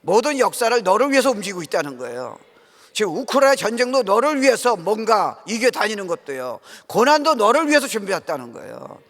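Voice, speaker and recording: A man preaches in a big reverberant church space. His voice sits fairly high for a male and carries a heavy gravelly creak. He talks to the congregation informally but earnestly, as a pastor sharing testimony and posing questions. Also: sing-song, brisk, fairly bright tone. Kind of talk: conversational revival sermon with personal testimony. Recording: reverberant church hall sound.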